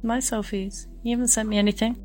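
A woman's voice: on the high side, little pitch movement, quick pace, a little mellow, soft background music. A woman bantering coyly on a podcast, laughing often as she teases back. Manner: coy, laughing. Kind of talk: casual flirty banter.

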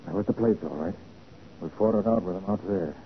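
An actor playing a brisk, commanding private detective in a 1940s radio crime drama. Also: male voice, low-pitched, close to an everyday voice. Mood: brisk, resolute. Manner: decisive, takes charge. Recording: noisy, narrow-band 1940s radio recording.

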